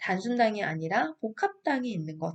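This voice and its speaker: This is a woman speaking. Her pace is moderate. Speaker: exam prep instructor. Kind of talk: lecture. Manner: speeds up when excited.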